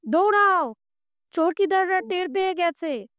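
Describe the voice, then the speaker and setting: A woman voicing a cocky, excitable grown son who boasts and laughs off worry in a storybook reading. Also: sits high, slow, no room sound, studio quality. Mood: urgent.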